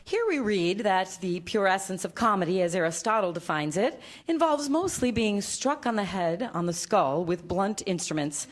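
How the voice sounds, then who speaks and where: A woman's voice: mid-range voice, lively intonation, close to an everyday voice. Prim, pedantic lady scholar played by a woman. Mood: dry, explanatory. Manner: formal, precise, measured. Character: prim, pedantic female scholar of Greek culture. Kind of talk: staged comedy screenplay reading.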